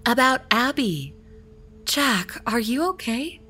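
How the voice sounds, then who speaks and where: An actress playing a caring, concerned wife who speaks gently and soothingly to her husband. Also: fairly high pitch, expressive, slow, breathy edge, full character voice. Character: caring young wife named Mary.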